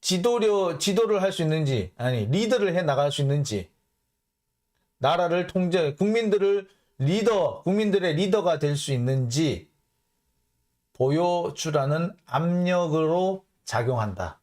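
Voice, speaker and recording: A man hosting a political commentary show, reading out foreign news and mocking it in an animated way. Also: on the high side, unhurried. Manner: animated, mocking, acts out blunt quotes. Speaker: host of a political commentary channel.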